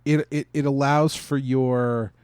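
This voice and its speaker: A man's voice: mid-range voice, fairly even intonation, unhurried, a little mellow, clear, resonant tone, no room sound. Man chatting in a dry recording. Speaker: podcast co-host. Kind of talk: casual conversational review.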